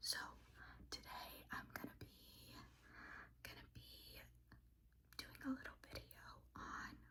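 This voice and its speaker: A woman whispers fairly slowly, with long pauses coming often. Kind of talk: whispered ASMR show and tell. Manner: whispered.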